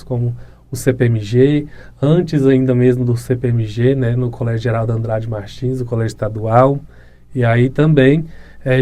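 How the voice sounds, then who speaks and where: A man's voice: mid-range voice, mellow. A man in his thirties with a Goiás Brazilian accent, answering interview questions earnestly and reflectively, often ending phrases with a tag question. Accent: Brazilian Portuguese, Goiás. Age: 30s. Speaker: municipal education secretary, guest.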